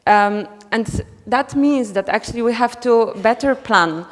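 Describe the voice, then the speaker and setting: A woman's voice: fairly high pitch, a little slow. A woman from Poland, giving a conference talk with many ums and restarts. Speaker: conference speaker. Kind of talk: conference presentation. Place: conference hall. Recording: reverberant conference hall.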